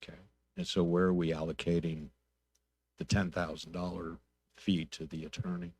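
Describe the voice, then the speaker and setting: A man speaking as a council member at a public meeting, asking probing questions in a plainspoken, deliberate way. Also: deep voice, little pitch movement, darkish tone, a little hiss or hum.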